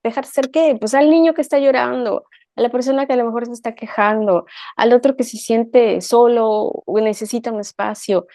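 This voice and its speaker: Warm, dry-toned woman musing on emotions. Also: a little high, moderate pace, dry recording. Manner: reflective, uses frequent tag questions. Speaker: co-host. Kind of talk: conversational talk show discussion.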